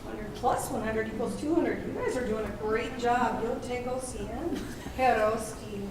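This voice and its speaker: A woman's voice: a little high, normal speed, a crowd in the background. A woman leading a tour of an elementary school, talking in a chatty, upbeat way. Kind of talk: casual tour talk. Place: school hallways and classrooms. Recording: echoey school rooms from a distance with noise.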